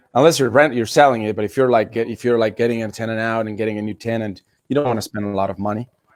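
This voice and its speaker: With a Spanish accent, a man speaks at a very fast pace. His pitch sits in the medium range. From Argentina. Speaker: real estate investor and trainer. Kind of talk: interview. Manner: animated.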